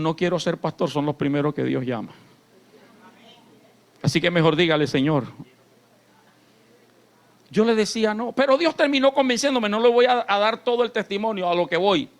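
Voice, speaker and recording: A male pastor with a Colombian Caribbean Spanish accent, preaching an impassioned sermon in a church, swinging between hushed and shouted lines. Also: high-pitched.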